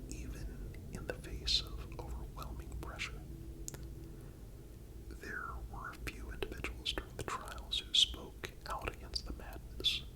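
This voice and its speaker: Casting: ASMR narrator, fully whispered, breathy, calm and deliberate scripted delivery. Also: poor audio. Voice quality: breathy unvoiced whisper throughout. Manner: calm, measured, deliberate phrasing. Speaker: narrator and channel host.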